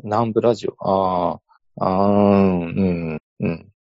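A man's voice: deep voice, steady tone, takes it slowly, no room sound, highs cut off. A man from Iwate, Japan chatting as a podcast guest, hesitant and laughing often. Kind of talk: casual chat.

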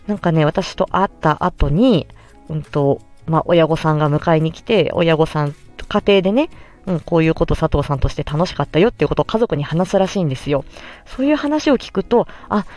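A woman speech therapist hosting a solo podcast, explaining gently with many pauses and fillers. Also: fairly low pitch.

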